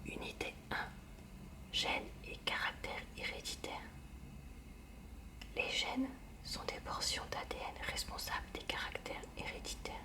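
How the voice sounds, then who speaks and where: A woman reading a textbook aloud in a hushed library whisper for ASMR, with short informal asides. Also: a little slow, long pauses, recorded from a distance.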